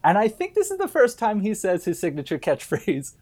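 Animated man, swinging pitch, chatting about films. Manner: halting, with false starts and self-corrections; animated, laughing often while talking. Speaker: podcast guest. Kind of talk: casual comic film discussion.

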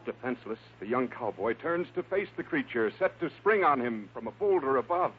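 A man with a slightly rough, medium-pitched voice narrates a 1950s radio adventure fairly quickly, his pitch swinging widely. The scripted narration is suspenseful and theatrical, heard through a tinny, noisy vintage radio recording.

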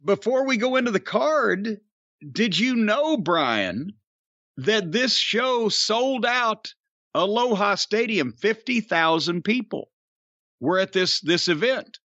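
A man's voice: high voice, expressive, slow, pushed and bright, no room sound, highs cut off. A middle-aged man, hosting a wrestling podcast, drawling and storytelling as he quizzes his co-host. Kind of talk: casual wrestling podcast chat.

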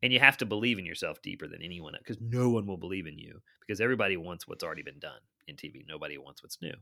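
A middle-aged man telling stories in a casual interview, animated and laughing often. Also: sits low, rapid-fire, vocal fry. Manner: animated, laughs often, acts out quoted voices. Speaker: TV producer and guest.

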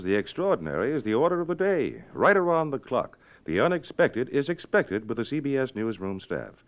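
Lively 1950s American radio announcer, male. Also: mid-range voice. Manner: formal, polished delivery. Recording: dull, lo-fi 1950s radio recording.

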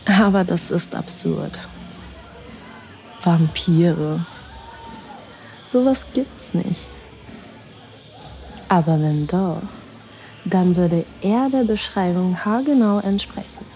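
A woman narrates an intimate audio drama very slowly in a warm, mellow tone, breathy and sensual, with soft music under her voice. She keeps sinking into near-whispers. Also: lowish voice, lively intonation, low-quality recording.

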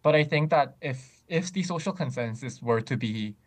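A man in casual discussion, speaking thoughtfully with frequent pauses and restarts. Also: mid-range voice. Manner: many fillers and restarts, thoughtful.

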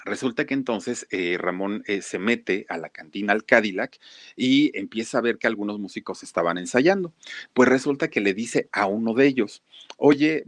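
A man's voice: fairly low pitch, a bit bright, no room sound, studio quality. A man telling a story in a folksy, casual way, talking directly to his listeners.

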